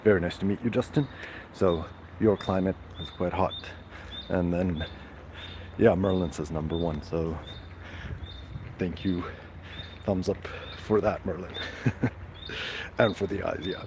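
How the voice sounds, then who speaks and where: Deep-voiced, slow-talking man. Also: fairly even intonation, noisy background. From Serbia. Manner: halting, frequent fillers and restarts. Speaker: live-stream host. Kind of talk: casual live-stream chat with viewers.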